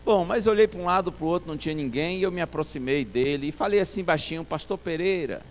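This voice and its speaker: A male pastor preaching a sermon as a story, acting out dialogue and swinging from soft to loud. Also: a little high, fast, slight background noise.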